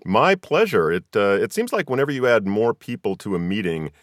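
Low-pitched American man hosting, dry sound. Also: sing-song, a little fast, dry recording. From Southern California, US. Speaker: podcast host. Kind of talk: casual conversational interview.

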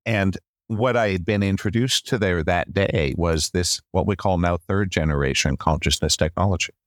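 A middle-aged man from the United States, a podcast guest telling his story in an animated way and often asking "right?". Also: low-pitched, normal speed, dry recording, clean studio sound. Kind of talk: storytelling in a conversation.

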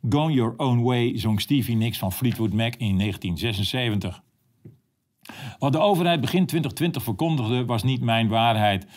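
A man reading his own opinion column aloud, sarcastic and combative. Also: medium pitch.

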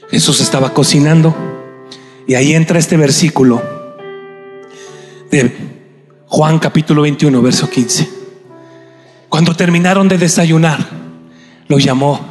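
A man preaching a sermon, telling the story dramatically, acting out scenes and bursting into shouts. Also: fairly high pitch. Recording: long hall reverb, faint music.

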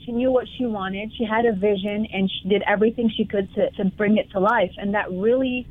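A woman's voice: medium pitch, fairly even intonation, fairly quick, no echo. A woman from Congo, a home decor creator, talking earnestly and from the heart as a guest in a casual interview. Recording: tinny phone-like line, dry.

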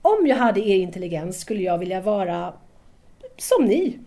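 A woman's voice: medium pitch, big pitch swings, warm tone. Woman playing a shy, lilting young student. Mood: self-doubting. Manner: hesitant, deferential. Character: shy, admiring, self-doubting young female student. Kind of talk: audio drama acting.

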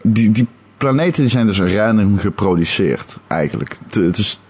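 Man, game podcast co-host, casual chat, husky, lowish pitch, hesitant restarts. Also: expressive, moderate pace, a little mellow.

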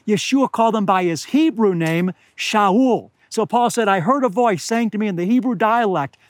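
A high-voiced older man preaches outdoors, his voice a little hoarse and scratchy. He speaks earnestly and deliberately, slowing to press home important words, and the sound is dry and close with little reverb. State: slightly hoarse. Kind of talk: outdoor sermon. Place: outdoors among pine trees at high altitude.

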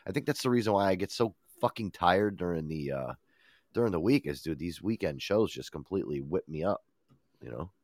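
A man's voice: deep voice, expressive, brisk, a little mellow, no echo, clean studio sound. A man hosting a radio show in casual, profane chat, stuffed up with a head cold. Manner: swears often, laid-back rambling.

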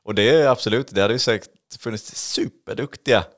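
A man co-hosting a casual podcast, leading the topics and talking with frequent hesitations and restarts. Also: on the low side. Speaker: podcast co-host. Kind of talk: casual chat.

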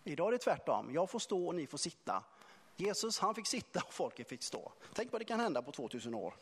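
A man preaching a Sunday sermon, retelling a story in a lively, conversational, playful way. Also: a little high, husky, long reverb tail. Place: church hall.

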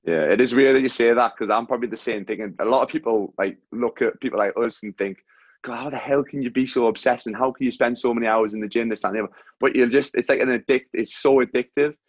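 A man hosting a podcast in casual chat, calling his guest mate, his voice coming through low-quality, lo-fi audio from a faulty mic and a weak connection. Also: fast, no room sound. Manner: chatty, friendly, calls the guest mate. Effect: low-quality audio from a faulty mic and wifi. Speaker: podcast host. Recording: dull, lo-fi, dry mic audio.

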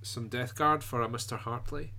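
A man co-hosting a hobby podcast, chatting casually and quietly with frequent restarts and fillers. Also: mid-range voice, steady tone, vocal fry. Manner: soft-spoken, halting, full of restarts. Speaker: podcast co-host and miniature painter. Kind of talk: casual chat.

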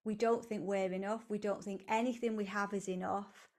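A woman hosting a podcast, giving a slow, earnest and repetitive motivational talk. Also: medium pitch, fairly even intonation. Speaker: podcast host, coach. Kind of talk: reflective solo motivational talk.

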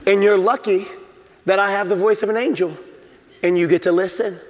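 High-voiced preaching pastor in a reverberant hall. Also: male voice, steady tone, fairly quick, a little mellow. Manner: emphatic preaching, acts out inner voices. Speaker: senior pastor. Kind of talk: sermon. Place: church sanctuary.

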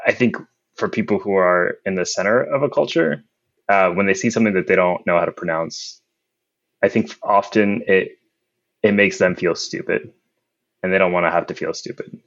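A man on a podcast panel, speaking in a measured, reflective way. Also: deep voice, gravelly, a bit bright, dry recording, highs cut off. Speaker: guest co-host. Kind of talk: casual chat.

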